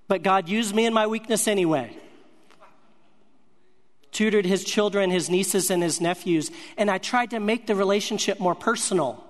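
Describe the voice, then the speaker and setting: A man's voice: high voice, big-room sound. A man telling a personal faith story as a sermon, earnest and speaking in short broken-up phrases. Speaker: speaker sharing a ministry testimony.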